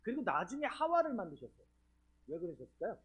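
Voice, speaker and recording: A man preaches a sermon at a church seminar. His voice sits high and swings widely in pitch. He keeps putting rhetorical questions to the people in the pews. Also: wildly swooping pitch, fast talker, a bit bright, husky. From Chungcheong region, Korea. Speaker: pastor. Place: church sanctuary.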